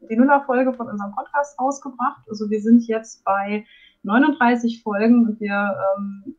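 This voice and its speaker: A woman in her forties from Saarland, Germany, chatting casually as a podcast member. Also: medium pitch. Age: 40s. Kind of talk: casual group chat. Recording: dull, lo-fi voice chat.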